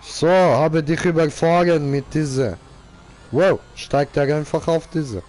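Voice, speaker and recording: Man doing a boastful young guy, broken grammar, slow drawl, raised pitch, in-game commentary. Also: a little mellow, lightly acted. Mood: playful. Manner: broken grammar, keeps repeating a filler word. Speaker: gamer playing a character. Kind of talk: in-character gameplay commentary.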